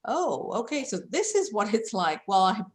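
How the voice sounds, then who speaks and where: A woman's voice: a little high, very animated, moderate pace. A woman from England, speaking as a panelist in an online discussion. She talks earnestly and conversationally and often checks in with "right?". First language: English.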